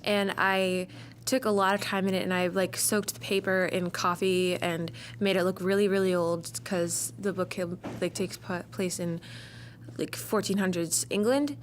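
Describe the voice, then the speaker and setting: A woman's voice: on the low side, steady tone, moderate pace, a little hiss or hum. A teenage female student with an American accent, talking casually and reflectively as if interviewed. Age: teens.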